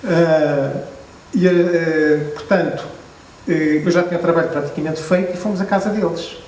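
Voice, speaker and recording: A European Portuguese man in his fifties, a photographer and book author, tells relaxed stories to an audience at a presentation. His slightly raised, darkish voice keeps a steady tone at normal speed, with hesitant restarts and wry self-deprecating asides. The distant mic catches him across an echoey hall over a faint hiss.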